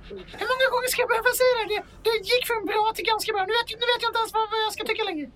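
A man's voice: very high voice, steady tone, background noise, voice pushed up. A man voicing a jittery female mouse leader who stammers and repeats words when flustered. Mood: exasperated. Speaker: game master voicing a character.

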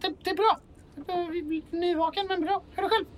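A man's voice: very high-pitched, fairly even intonation, pitched above the performer's own voice. A man voicing a jittery female mouse leader who stammers and repeats words when flustered. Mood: wary. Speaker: game master voicing a character.

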